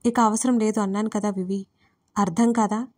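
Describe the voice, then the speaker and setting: A woman's voice: mid-range voice, steady tone, normal speed, darkish tone, lightly acted. A woman voicing a blunt, protective older sister who speaks firmly and scolds. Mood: stern. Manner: firm and scolding.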